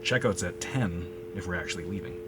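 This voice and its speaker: Actor as low-voiced, laconic man over humming noise. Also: brisk, lightly acted. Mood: dryly teasing. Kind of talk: naturalistic audio drama dialogue.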